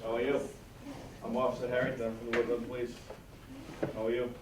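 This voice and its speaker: A man of middle pitch reads a storybook to children and breaks off for chatty, informal asides. It is a live room recording with light noise in it. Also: monotone, fast talker. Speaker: police officer reading to children. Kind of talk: casual picture-book reading with asides.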